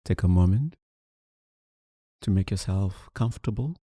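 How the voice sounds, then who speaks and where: A man leading a guided meditation, giving soothing, unhurried instructions with long pauses between phrases. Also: deep voice, animated, warm tone, breathy edge, no echo, studio quality. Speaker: meditation teacher.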